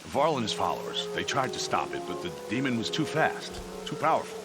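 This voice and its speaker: Grave tribal warrior underling, deep and creaky, game drama under loud music. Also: male voice, big pitch swings, fairly quick. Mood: grave, uneasy. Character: grave, subordinate tribal warrior reporting to his chief. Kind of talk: dramatic video game acting.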